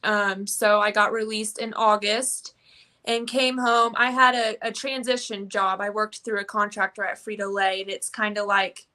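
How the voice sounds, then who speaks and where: A woman's voice: medium pitch, level tone, normal speed, pushed and bright. A young woman from Indiana telling her story as an interview guest, earnest, with many "um" fillers.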